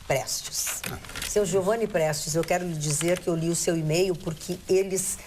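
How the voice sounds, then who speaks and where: A woman's voice: lowish voice, fairly even intonation, unhurried. A woman hosting a debate show, reading aloud and addressing people formally and articulately. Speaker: talk show host. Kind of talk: reading viewer mail aloud and moderating a debate. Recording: clear background noise.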